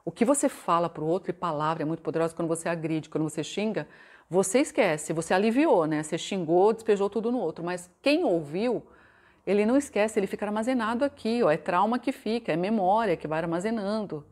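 A Brazilian woman giving a motivational relationship talk in a conversational way, often asking tag questions and reciting mantras slowly and softly. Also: mid-range voice. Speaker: self-help and relationship coach.

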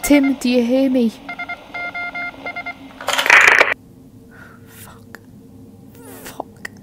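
A hurt, desperate female researcher in a radio play. She is blunt and urgent, her voice fairly high, with clear noise behind it. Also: flat delivery, slow pace. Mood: urgent, strained. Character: injured, desperate, sharp-tongued female research scientist. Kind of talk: audio drama acting.

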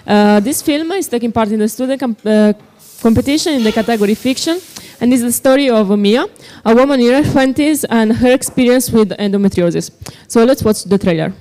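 A woman's voice: a little high, fairly quick, mellow. A young woman in her twenties hosting festival interviews, speaking into a handheld mic with many hesitant fillers. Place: festival lounge set, indoors.

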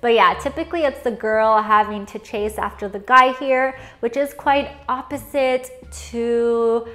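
A woman's voice: on the high side, steady tone, unhurried, fairly bright tone. A young woman vlogging from her living room, chatting casually with frequent laughs and fillers. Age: young adult. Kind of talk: casual talking-head vlog.

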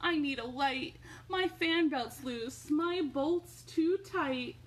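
A woman voicing needy, childlike little robots from a bedtime storybook in a squeaky, shrill voice. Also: slow, low-quality recording. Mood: needy, restless. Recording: home recording with faint background noise.

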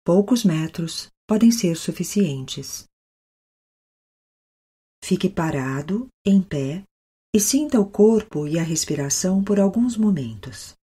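Brazilian female meditation guide, soothing yoga-teacher delivery, mellow and breathy, pausing often. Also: lowish voice, animated.

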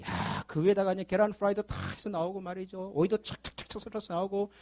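A man's voice: sits high, steady tone, fast talker, a little mellow. A male pastor preaching a sermon, telling a story to the children with questions to the congregation, then building to fervent appeals. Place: church sanctuary.

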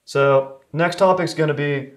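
A man's voice: fairly high pitch, fairly even intonation, measured pace, close to an everyday voice. A man doing a slacker surfer-dude cop. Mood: laid-back. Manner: laid-back, drawling, says dude. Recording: roomy echo.

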